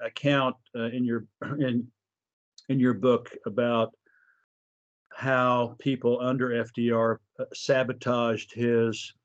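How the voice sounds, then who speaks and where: A man speaks slowly and deliberately, pausing over his words as he poses a long question to his co-host. His voice comes through a dull, lo-fi remote line. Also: mid-range voice. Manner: slow, thoughtful, hesitant with fillers. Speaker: podcast co-host. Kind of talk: conversational interview questions.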